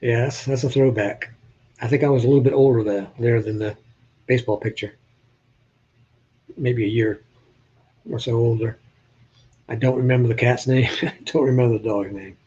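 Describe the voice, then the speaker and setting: An older man from New Hampshire with a slight Southern drawl chats with his live-stream viewers and jokes with them. His voice is dark and a little husky. The sound is dull and slightly lo-fi. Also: mid-range voice, fairly even intonation, moderate pace, pauses often. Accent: Southern US with New England traces. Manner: chatty, joking, talks to viewers in chat. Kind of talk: casual live-stream chat showing old photos.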